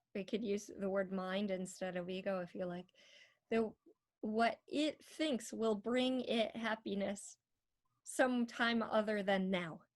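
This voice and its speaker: An unremarkable speaking voice from a woman, at a fairly slow pace with ordinary pitch variation. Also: medium pitch for a woman. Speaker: radio show host and spiritual coach. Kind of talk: radio show talk about spiritual practice. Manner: thoughtful, reflective.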